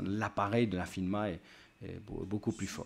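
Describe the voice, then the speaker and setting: This man's voice sits at a fairly low pitch with ordinary pitch variation. He talks at a fairly slow pace. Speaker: politician, president of the national parliament chamber. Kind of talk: press conference answers. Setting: press conference room with audience. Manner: hesitant, many fillers and repetitions.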